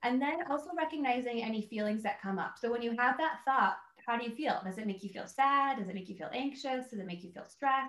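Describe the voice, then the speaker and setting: A woman with an American accent talks at a very fast pace, hardly pausing at all. Her voice is high with lively intonation. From US Midwest, Chicago suburbs. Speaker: yoga teacher and health coach. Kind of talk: casual chat.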